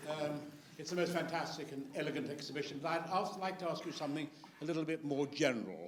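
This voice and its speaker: Very fast and fairly high in pitch, a man talks with fairly even intonation over noticeable background noise and audible room echo. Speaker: audience member asking a question. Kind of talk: audience Q&A question. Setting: public talk with audience, microphone. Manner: loud.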